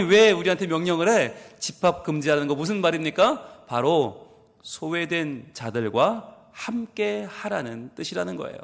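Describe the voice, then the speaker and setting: A male pastor preaching a sermon, with emphatic rhetorical questions and swings from hushed to raised delivery. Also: fairly high pitch, long reverb tail. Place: church sanctuary.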